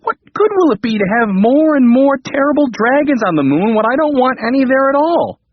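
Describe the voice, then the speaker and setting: A man voicing a frightened, whiny old king who pleads in a shrill, panicky way, on a dull lo-fi radio recording. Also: sing-song, a little fast, full character voice.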